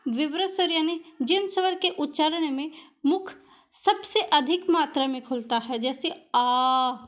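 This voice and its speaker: A woman's voice: high voice, measured pace. A woman teacher giving a grammar lesson for exam students, patiently repeating each question and then answering it herself. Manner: patient, drills vowel sounds aloud.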